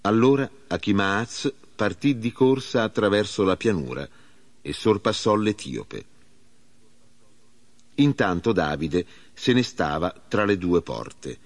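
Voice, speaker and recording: A man narrating a Bible reading in a solemn, measured way. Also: on the low side, very animated. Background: faint music.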